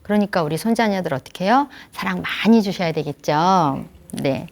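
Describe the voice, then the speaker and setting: Woman giving a gentle lecture to grandparents. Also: lowish voice, animated, moderate pace, gravelly, slight background noise. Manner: asks the audience questions, gentle and explanatory.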